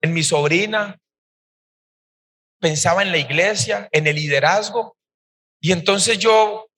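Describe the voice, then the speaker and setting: A male pastor tells his own testimony in a sermon, in an animated, emphatic storytelling manner. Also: high-pitched, takes it slowly. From Costa Rica. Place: church service hall. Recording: reverberant church hall.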